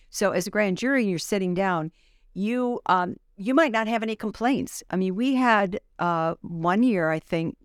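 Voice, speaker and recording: Chatty woman with a lowish voice. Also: clear, resonant tone, no room sound, clean studio sound. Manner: chatty, explains with asides and self-corrections. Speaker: guest, former grand juror. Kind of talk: casual explanatory chat.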